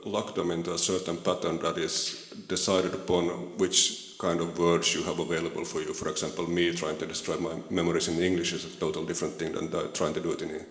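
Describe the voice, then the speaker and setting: Swedish-native man, very low voice, halting question, echoey hall. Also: flat delivery. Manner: hesitant, searching for words, many fillers. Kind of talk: panel discussion.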